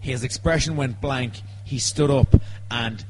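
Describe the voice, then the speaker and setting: A man's voice: mid-range voice, a little slow. A man telling a comic story in casual podcast chat, with a wry, teasing manner. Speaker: podcast panellist. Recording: noisy background with hum.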